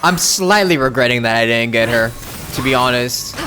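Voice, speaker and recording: A man's voice: mid-range voice, expressive, moderate pace, sharp tone. A man livestreaming a game with casual, informal commentary, full of exclamations and muttered asides. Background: game music.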